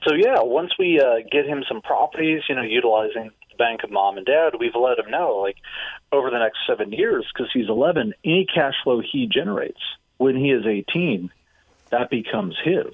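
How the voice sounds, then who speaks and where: Man, energetic, talkative, phone-quality audio, dry sound. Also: medium pitch, normal speed, slightly rough, no room sound. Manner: energetic, fluent, fond of "right?" and "like". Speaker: real estate investor guest. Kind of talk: radio interview answers. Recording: tinny phone line, dry.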